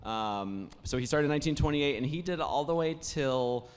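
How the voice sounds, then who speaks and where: A man who is a voice actor, hoarse after days of talking, telling stories in casual panel conversation with plenty of restarts and fillers. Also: mid-range voice, moderate pace, in a large hall. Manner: warm storytelling, many restarts and fillers.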